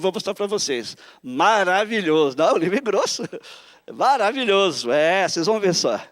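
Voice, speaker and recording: A man preaching a humorous sermon in a church, acting out quotes in shifting voices. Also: sits high. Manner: animated, jokes and acts out quotes in shifting voices. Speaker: pastor.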